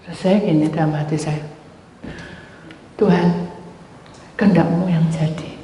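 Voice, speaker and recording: Animated woman pastor in an echoing hall. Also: a little slow, a little hiss or hum. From Indonesia. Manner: animated storytelling, swings between loud high exclamations and hushed asides. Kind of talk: sermon with acted-out anecdotes. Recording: echoey hall with long reverb.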